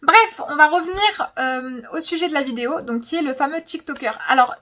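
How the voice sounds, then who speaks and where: In this clip, a YouTube host tells a story in a casual vlog: she's a young woman, francophone, with Algerian roots. She talks a little fast in a high, pushed, bright voice, dramatic and emphatic, repeating words for effect, with slight background noise.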